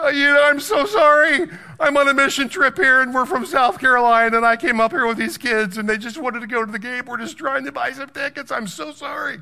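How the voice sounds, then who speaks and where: A man puts on a whiny character voice at an extremely high pitch. He talks at a fairly quick pace. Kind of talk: polite, begging. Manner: whiny, pleading.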